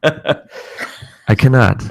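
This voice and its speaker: A man's voice: medium pitch, extremely slow, vocal fry. A man running a casual webinar sound test at the office, joking and playing with silly voices. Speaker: presenter testing a webinar.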